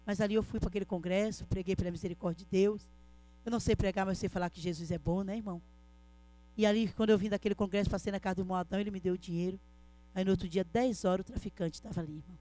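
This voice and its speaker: Telling her story at rapid-fire speed, a middle-aged woman delivers a heartfelt testimony in church, addressing the listeners as brothers with earnest emotion. Her mid-range voice is mellow, with fairly even intonation.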